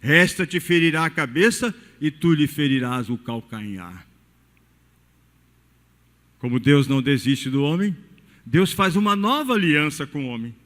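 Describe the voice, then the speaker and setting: A man preaching a sermon in a cathedral at an evening service, asking rhetorical questions and swinging his pitch widely. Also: expressive, a little slow, pauses often, a bit bright. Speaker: pastor. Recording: long reverb of a large church hall.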